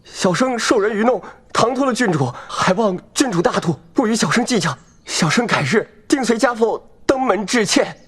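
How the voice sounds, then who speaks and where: Young scholar saying sorry, high husky voice, super polite. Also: male voice, lively intonation, normal speed, fairly bright tone, exaggerated voice. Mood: apologetic. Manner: polite, self-deprecating. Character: humble apologetic young male scholar. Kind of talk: period drama acting.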